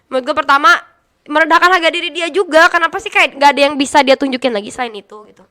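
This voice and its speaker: Appearing as a guest on a relaxed podcast, a young esports caster and streamer talks in a chatty, blunt way and laughs a lot. Her voice sits high and sounds sharp, and she speaks very fast.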